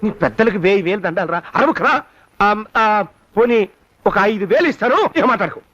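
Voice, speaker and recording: Comic film role: a tight-fisted, irritable moneylender with a sharp, bright voice. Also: male voice, sits high, lively intonation, a little fast, slightly rough, heavily acted. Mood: grumbling. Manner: grumbling, haggling, irritable. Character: stingy grumbling older moneylender man. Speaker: film character, a miserly moneylender. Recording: dull film soundtrack with faint noise.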